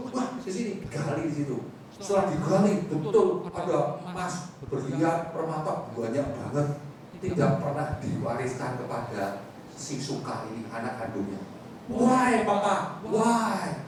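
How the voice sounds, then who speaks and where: A man's voice: on the high side, moderate pace, background noise. Teasing male preacher in an echoey hall. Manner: teasing, lively storytelling with asides to the audience. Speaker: Buddhist preacher. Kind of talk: sermon. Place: large hall with an audience. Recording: echoey hall, mic far off, crowd audible.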